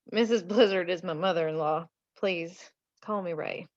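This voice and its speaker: A woman's voice: fairly low pitch, slow, no echo, muffled recording. A woman playing a folksy, chatty married townswoman from a mining town in a screenplay table read. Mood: friendly.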